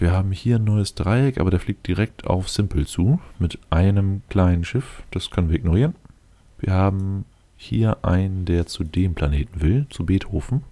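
A man's voice: deep voice, vocal fry, dark tone. A man giving casual, improvised game commentary, thinking aloud and muttering to himself in a matter-of-fact way. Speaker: let's play video host.

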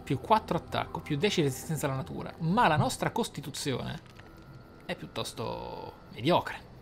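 A man commentating his game playthrough, thinking aloud in a deliberate, theatrical way with dramatic pauses. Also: a little high, sing-song, creaky, slight background noise. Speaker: gaming YouTuber, player. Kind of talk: game playthrough commentary with role-play musing. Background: game music.

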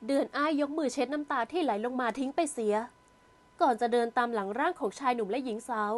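A woman narrating an audio novel in a steady storytelling manner. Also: fairly high pitch. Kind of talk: scripted narration.

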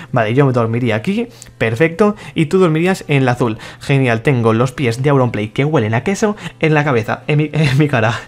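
Laughing young gaming commentator. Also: male voice, medium pitch. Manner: playful, laughs often, reads other players' chat aloud. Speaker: gaming YouTuber. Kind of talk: casual gameplay commentary.

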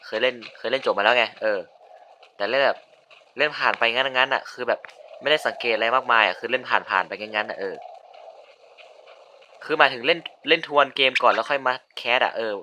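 Male game caster, casual running commentary, bright voice, quick startled outbursts, faint noise behind. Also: mid-range voice. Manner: chatty, bursts into sudden yelps and shouts. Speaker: gaming video host. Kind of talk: casual let's-play commentary.

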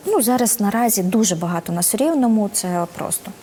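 Woman giving lively advice. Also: medium pitch, fast talker, a little hiss or hum. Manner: lively advice-giving with frequent "да?" check-ins. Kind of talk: casual advice interview.

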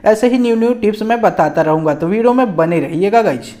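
This high, darkish male voice is animated and a little fast as he narrates a photo editing app tutorial for his channel. Chatting with his viewers, he's full of filler particles and keeps addressing them as friends and guys.

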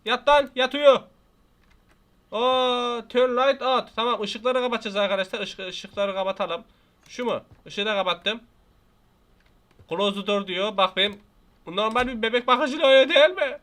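A young Turkish-accented man gives excitable let's-play commentary in a high, bright voice. He jokes, scolds and playfully threatens what he sees on screen, talking fast and loosely as he plays. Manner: excitable, jokey, talks to the game baby and threatens it playfully. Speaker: gaming YouTuber.

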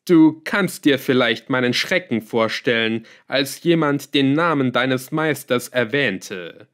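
A man voicing a scheming male villain in an audiobook, calm, smug and lightly scornful. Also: medium pitch, takes it slowly, pitched above the performer's own voice. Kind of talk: audiobook character voice.

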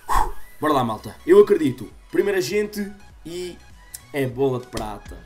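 Casting: young male gaming YouTuber, European Portuguese accent, slightly congested, highish voice, music underneath. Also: big pitch swings, normal speed, a little mellow. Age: 20s. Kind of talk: excitable gaming commentary to viewers. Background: game music.

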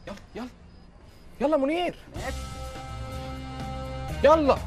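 High-voiced, urgent Egyptian friend. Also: male voice, expressive, slow pace, faint music behind, exaggerated voice.

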